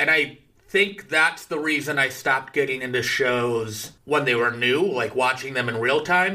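A man's bright, sharp voice at a moderate pace with ordinary pitch variation. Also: medium pitch for a man. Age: 30s. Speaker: comedian. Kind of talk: casual chat. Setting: video call.

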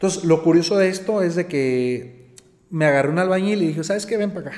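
A man with an ordinary speaking voice talks at a moderate pace with a fairly high pitch and ordinary pitch variation. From Mexico, Michoacán. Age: 30s. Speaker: hotel manager. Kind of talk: casual interview, storytelling. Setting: studio.

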